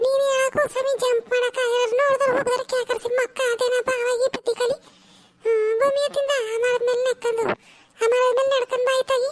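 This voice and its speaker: A cartoonish character voice talks at a moderate pace in a flat monotone, with a dry, close sound and no echo. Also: woman. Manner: chatty, exclaims often.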